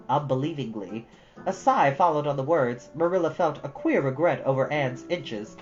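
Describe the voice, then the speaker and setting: A woman hosting a storytime, narrating a book in an audiobook style. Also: sits low. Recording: dull audio over soft guitar music. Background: soft guitar music.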